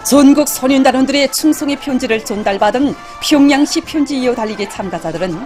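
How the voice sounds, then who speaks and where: A woman's voice: high voice, fast, darkish tone. A woman with a North Korean accent reading scripted television news in a solemn, formal, declamatory manner. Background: music under the narration.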